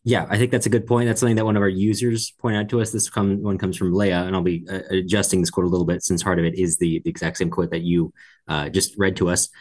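Deep, fast-talking man. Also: level tone, darkish tone. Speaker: podcast co-host. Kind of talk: book discussion, reading out listener comments.

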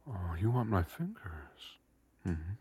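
A man whispering a slow, coaxing intimate audio roleplay in a soft, breathy voice. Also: sits low, very animated.

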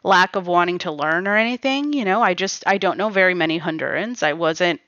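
Reflective woman with a low, smooth voice. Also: a little fast, a bit bright, no room sound, dull audio. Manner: frequent "you know" and "like" fillers, reflective. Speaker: guest. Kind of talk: casual personal conversation.

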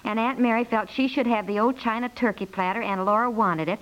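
An actress playing an excitable, chatty housewife in a 1950s radio comedy, rambling and exclaiming breathlessly. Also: female voice, fairly high pitch, fairly quick, close to an everyday voice. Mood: chatty, recollecting. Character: excitable, chatty young-to-middle-aged housewife inheriting money. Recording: muffled vintage 1950s radio recording.

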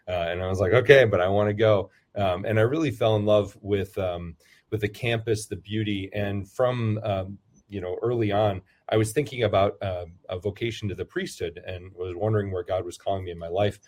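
A man with a low voice, a priest and football chaplain, answering interview questions in a rambling, self-deprecating way with many fillers. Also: steady tone, normal speed, a little mellow. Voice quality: lower voice.

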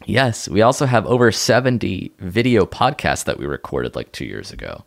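A man with a low, gravelly voice co-hosts a podcast in casual comedic banter. His delivery swings widely in pitch as he jokes and acts out imagined conversations. The sound is dry and close. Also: very animated, normal speed, no echo. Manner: joking, acts out imagined dialogue. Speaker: podcast co-host.

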